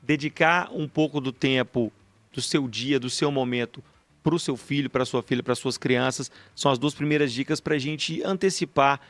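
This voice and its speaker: A man's voice: medium pitch, fairly even intonation, moderate pace, a bit bright, no room sound. Dry-sounding radio host man recapping. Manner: recaps and steers the guest. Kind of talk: radio talk show hosting.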